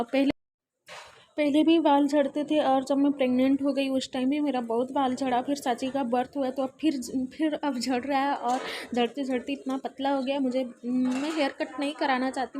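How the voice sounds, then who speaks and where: High-voiced chatty young woman. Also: a little mellow, a little hiss or hum. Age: young adult. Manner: chatty, laughs often while talking. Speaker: vlogger. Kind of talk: casual home vlog chat. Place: at home, indoors.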